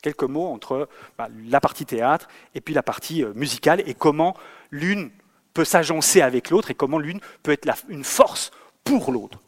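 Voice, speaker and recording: A man's voice: on the high side, moderate pace. A man, a theatre director, giving a lecture full of anecdotes. He acts out the scenes he describes, stumbling often over fillers and repeated words. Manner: lively storyteller who acts out scenes.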